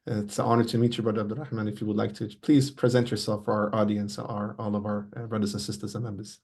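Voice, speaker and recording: Gravelly, flat-voiced male host. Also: fairly low pitch, fast talker. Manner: courteous, many religious blessings. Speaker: host of an online tribute. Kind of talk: formal moderating. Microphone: video call.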